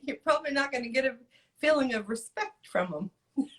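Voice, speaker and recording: A woman's voice: high-pitched, animated, brisk, a bit bright. A woman co-hosting a casual chat show as a sexologist, giving frank advice and laughing often. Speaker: co-host, sexologist.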